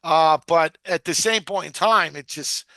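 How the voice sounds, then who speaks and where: A man's voice: on the high side, a little slow, creaky, sharp tone, no room sound. A man hosting a casual podcast, talking in loose, profane rambles full of fillers. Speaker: podcast host. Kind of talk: casual rewatch podcast chat.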